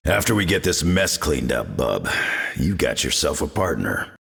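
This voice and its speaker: A burly, gruff video game brawler in middle age. His voice sits extremely low and crackles with gravel. He talks in blunt, folksy slang. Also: sing-song, normal speed, a bit bright, full character voice. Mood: gruff, friendly. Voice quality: gravelly growl.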